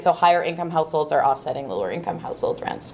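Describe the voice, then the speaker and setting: Noticeable background noise accompanies a woman with a Canadian accent and a fairly low pitch. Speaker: non-profit housing researcher. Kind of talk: conference presentation. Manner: fast.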